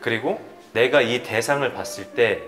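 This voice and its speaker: A man's voice: medium pitch, moderate pace, roomy sound, music in the background. A man in his thirties coaching acting in a casual, explanatory way. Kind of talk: casual instruction with demonstrations. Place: bright indoor living-room set. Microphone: lavalier.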